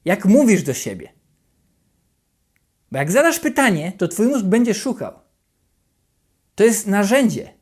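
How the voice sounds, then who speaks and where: A self-help channel host giving a motivational talk to the viewer, animated and repetitive, dropping into a hushed, anxious voice to act out inner thoughts. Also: mid-range voice, measured pace, pauses often, breathy edge. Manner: repeats and rephrases questions over and over.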